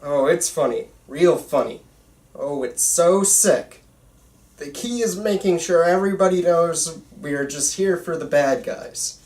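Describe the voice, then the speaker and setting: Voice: medium pitch, unhurried, darkish tone, close to an everyday voice. A performer playing a bitter, intense teenage boy filmmaker in an amateur script read, recorded at a distance in a roomy space. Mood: darkly excited. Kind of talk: amateur screenplay table read.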